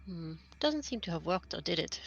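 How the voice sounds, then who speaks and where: A woman's voice: fairly low pitch, very animated, normal speed, creaky, highs cut off. A woman chatting casually as a player in a tabletop role-playing game.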